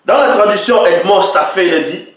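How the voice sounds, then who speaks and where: A man's voice: sits high, fairly quick, a bit bright. A man preaching in an emphatic teaching style, often checking that his listeners follow him. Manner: emphatic, repeatedly asks listeners if they follow. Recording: very echoey room, voice far from mic.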